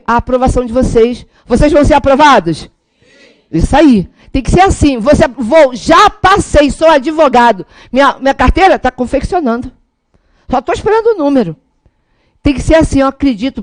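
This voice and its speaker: A Brazilian Portuguese woman delivering an energetic law lesson with a high voice. She rallies and coaches her students directly. The sound is dry and close, with no room around it. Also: dry recording. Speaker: law teacher. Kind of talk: lively classroom lecture.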